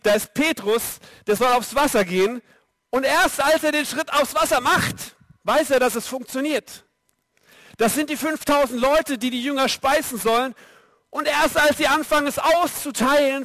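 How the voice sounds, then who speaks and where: A young man preaching a sermon, lively and speaking straight to his audience. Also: very high voice, moderate pace, dry recording. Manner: lively, direct address to the audience.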